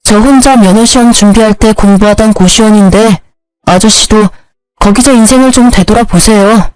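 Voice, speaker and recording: A woman's voice: mid-range voice, normal speed, darkish tone, clean tone, no room sound, lightly acted, poor audio. A woman reading the part of a clever young adult son who speaks with cool, mocking politeness.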